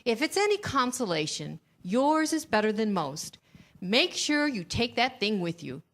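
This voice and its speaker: A woman's voice: a little high, big pitch swings, a little slow, fairly bright tone, heavily acted. A woman playing a seductive, manipulative Hollywood producer with a condescending streak in a staged reading. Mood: dismissive, condescending.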